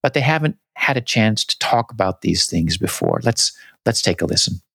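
Male podcast host, low voice, dry close mic, calm conversational links. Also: normal speed, creaky, husky, dry recording. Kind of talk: hosting, introducing recorded clips.

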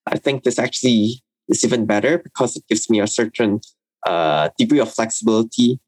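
Young man from Indonesia, interview guest, lowish voice, dry close sound, measured and reflective. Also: darkish tone, breathy edge, no room sound, poor audio. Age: young adult. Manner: thoughtful, measured, with fillers. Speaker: interviewee, university student. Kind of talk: recorded interview.

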